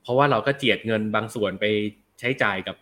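A young adult man with a fairly low, bright, forceful voice hosts a laid-back film review chat, talking fast. His manner is relaxed, chatty, and slangy, and he reads viewer questions and comments aloud before answering them.

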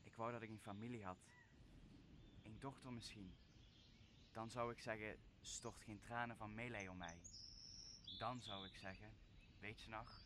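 A man playing a vengeful exiled magician and father in a radio play, brooding and theatrical, with deliberate drawn-out phrasing. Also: on the low side, noisy background, lightly acted. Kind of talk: Dutch radio play acting.

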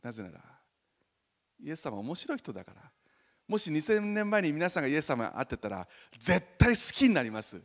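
A man preaching a sermon as pastor, animated and joking, loudly acting out the voices he quotes. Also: fairly high pitch, a little fast, big-room sound. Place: church sanctuary.

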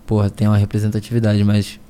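A man in his thirties with a Rio de Janeiro accent, a rap battle MC talking slowly as a podcast guest, hesitant and full of slang fillers. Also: lowish voice, monotone, mellow, slight background noise. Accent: Carioca Brazilian Portuguese. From Niterói, Rio de Janeiro, Brazil. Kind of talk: casual interview chat.

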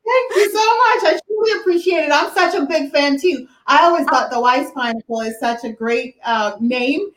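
A woman's voice: high voice, normal speed, hardly any pauses, fairly bright tone. A woman from Ghana, a guest talking upbeat and chatty about her work over a video call. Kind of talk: casual interview chat. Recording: echoey room.

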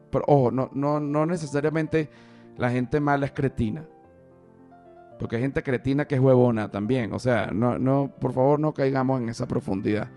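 A man's voice: medium pitch, darkish tone. A man hosting a podcast, telling a story in a casual, profane monologue full of joking digressions. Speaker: podcast host.

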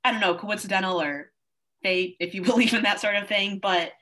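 A young college woman in her early twenties answers interview questions. Her voice is bright and crisp at an ordinary pitch, and she sounds earnest and upbeat. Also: fairly quick. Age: 20s. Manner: earnest, upbeat, with frequent fillers. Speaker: college student guest. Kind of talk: casual interview conversation.

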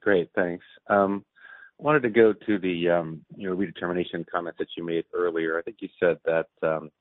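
A man's voice: low voice, fairly even intonation, normal speed, no echo. A man asking questions as a financial analyst on an earnings call, in a conversational, roundabout way. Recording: dry, narrow telephone line.

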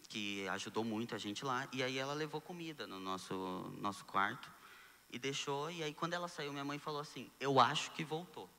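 A young Brazilian man, a guest telling his story in a casual conversation, animated and acting out the dialogue he quotes. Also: mid-range voice, brisk, long reverb tail. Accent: Brazilian Portuguese. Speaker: guest sharing testimony.

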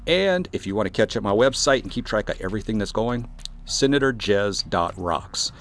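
A man's voice: lowish voice, expressive, normal speed, a bit bright. A man hosting his own solo podcast, talking earnestly and encouragingly about defining success as an artist. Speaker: podcast host and composer. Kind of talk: solo motivational podcast monologue.

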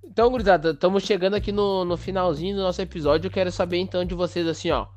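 A man, hosting a podcast and telling a story in a lively, slangy way. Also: sits high, rapid-fire, no echo, soft background music. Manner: animated, slangy, acts out sounds and voices. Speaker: podcast host. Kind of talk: casual storytelling.

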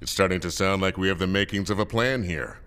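Grim fleet commander, deep, deliberate, unyielding, sci-fi audio drama. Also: male voice, fairly bright tone, smooth. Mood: cautious hope. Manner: firm, deliberate. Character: grim, resolute male military commander. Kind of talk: science fiction audio drama acting.

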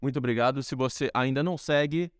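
A man's voice: medium pitch, fast, dry recording, clean studio sound. A man hosting a podcast, upbeat and informal as he thanks listeners and asks the guest questions. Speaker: podcast host.

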